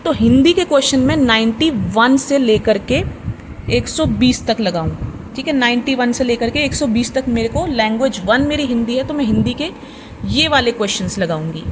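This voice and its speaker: A woman's voice: on the high side, expressive, moderate pace, noisy background. A woman teacher explaining an exam answer sheet step by step, repeating key points patiently and addressing viewers as friends. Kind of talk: explanatory tutorial lesson.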